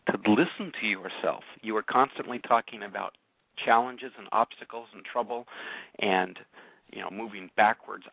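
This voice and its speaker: A male radio host with a lowish voice presses a caller with probing, challenging questions and repeats words as he pushes. The sound is narrow and phone-like, and very dry. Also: gravelly, slightly rough, dry recording. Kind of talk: talk radio coaching a caller.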